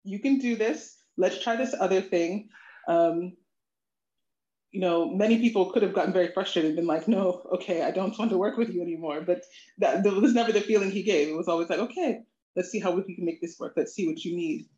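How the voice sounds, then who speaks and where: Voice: medium pitch, fairly quick, warm tone. An adult language student answering interview questions in a reflective, earnest way. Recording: echoey, muffled lo-fi audio.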